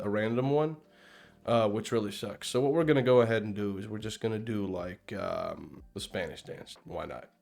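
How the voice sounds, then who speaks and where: A young man with a fairly low voice gives relaxed gameplay commentary for his channel. He was raised in Denmark after coming from Palestine. His talk rambles, full of fillers and restarted sentences. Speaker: gaming YouTuber.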